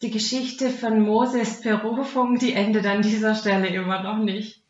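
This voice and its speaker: A woman's voice: medium pitch, level tone, moderate pace. A woman with a Swabian German accent giving a devotional talk as a Christian speaker, plain-spoken, earnest and conversational. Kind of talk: devotional talk mixing Bible teaching and personal testimony. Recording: roomy echo, dull muffled sound.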